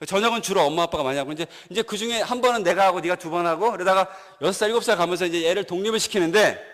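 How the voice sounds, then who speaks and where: Male pastor, high voice, long church reverb; animated sermon with questions to the congregation. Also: very fast. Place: church sanctuary.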